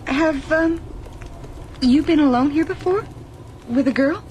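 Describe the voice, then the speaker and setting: A woman's voice: sits high, a little slow. An actress playing an uneasy, kind young woman in a radio drama, with a hesitant manner. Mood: guarded. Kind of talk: naturalistic radio drama acting. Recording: noisy old radio drama recording.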